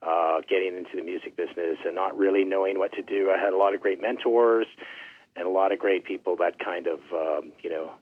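A middle-aged man from Canada, a record label owner, chatting as an interview guest with a friendly, halting manner full of fillers. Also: sits low, steady tone, husky. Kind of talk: casual interview chat. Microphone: phone line. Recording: tinny phone-line audio.

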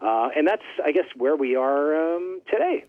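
A middle-aged man from Canada, a record label owner, chatting as an interview guest with a friendly, halting manner full of fillers. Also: fairly high pitch, big pitch swings. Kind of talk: casual interview chat. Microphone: phone line. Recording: tinny phone-line audio.

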